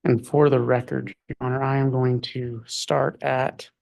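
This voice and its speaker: A man speaking as a prosecutor in a courtroom, questioning formally in measured, halting phrases. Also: mid-range voice, level tone, gravelly, darkish tone, rough recording.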